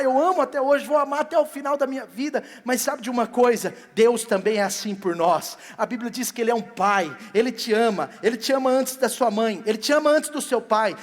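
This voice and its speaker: A male pastor preaching a sermon with a Brazilian accent, swinging from loud emphatic peaks to soft quiet lines, in a church hall. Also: extremely high pitch. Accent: Brazilian Portuguese. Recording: long church hall reverb.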